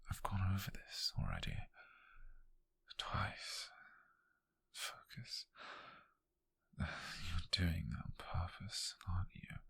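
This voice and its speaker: A British man playing a calm, menacing, possessive detective in a whispered ASMR roleplay, with a breathy, husky voice and slow, deliberate delivery. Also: low-pitched, no echo, full character voice. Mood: tense, menacing.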